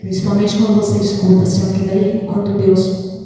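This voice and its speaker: Brazilian lady preaching to the church sisters, super mellow voice, lots of echo like a big hall. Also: mid-range voice, little pitch movement, normal speed. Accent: Brazilian Portuguese. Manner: preaches in a conversational way, often calling out to the sisters and brothers. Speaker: evangelist preaching at an intercession meeting. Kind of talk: sermon. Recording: distant voice in an echoey hall.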